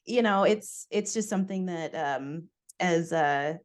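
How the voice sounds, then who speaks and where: Woman podcast guest with a lowish voice, telling her story openly and with energy. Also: a little slow. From United States. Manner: candid, animated storytelling. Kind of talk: casual interview conversation.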